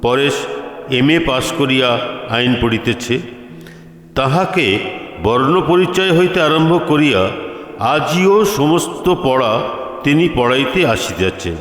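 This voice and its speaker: A man reading a literary story as narrator, with formal, deliberate phrasing. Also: medium pitch, expressive, fairly bright tone. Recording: echoey, long reverb, music behind. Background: music.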